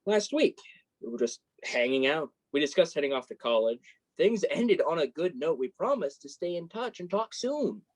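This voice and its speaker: A man's voice: on the high side, sing-song, normal speed. A man playing a sensitive, embarrassed college freshman in a play reading, guarded and dryly self-deprecating. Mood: troubled, explaining. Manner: self-deprecating, dry sarcasm. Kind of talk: staged reading of a play, naturalistic dialogue.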